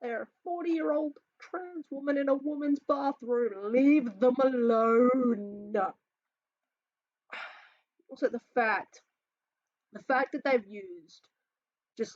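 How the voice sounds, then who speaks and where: His voice is extremely high and feminine-sounding, and he speaks slowly on a muffled recording without echo. The speaker is an Australian trans man hosting a reaction video, casually ranting at memes with frequent swearing, rambling between sighs and laughs.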